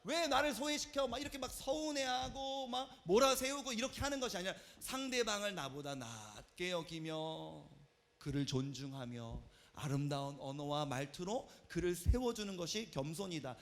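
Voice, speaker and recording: Animated high-voiced male youth pastor. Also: normal speed. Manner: animated storytelling, acts out quoted voices. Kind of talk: lively youth retreat sermon. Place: church hall at a youth retreat.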